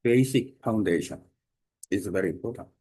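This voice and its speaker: Halting low-voiced man teaching a language lesson. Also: warm tone. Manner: halting non-native English with fillers and throat clearing. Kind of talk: screen-share lesson, reading AI text aloud. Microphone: computer mic on a video call.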